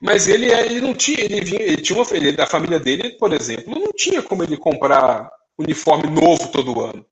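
A man's voice: a little high, fast, few pauses, rough recording. A young adult man from Brazil, co-hosting a casual podcast chat and telling stories, acting out the people in them with quoted voices. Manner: animated, acts out dialogue in quoted voices. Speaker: podcast co-host.

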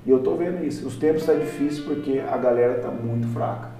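A man hosts in a slangy, emphatic, unhurried way. He sounds far from the mic in a very echoey space, with faint guitar music behind him. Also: medium pitch. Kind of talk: casual podcast chat.

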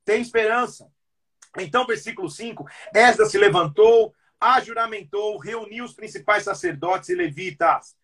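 A man's voice: high-pitched, normal speed, a bit bright, breathy edge. A man with a Brazilian Portuguese accent, a pastor giving a casual, slangy livestreamed Bible commentary and retelling scripture in everyday speech.

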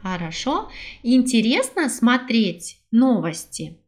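Slow, lilting woman teacher. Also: a little high, sing-song. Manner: repeats phrases slowly, switching between two languages. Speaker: language teacher. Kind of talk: recorded language lesson.

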